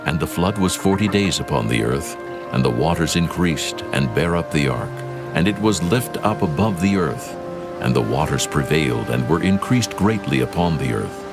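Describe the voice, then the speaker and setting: An extremely deep male voice with a gravelly creak narrates scripture. He is solemn and measured, with lively rises and falls, over clearly audible music.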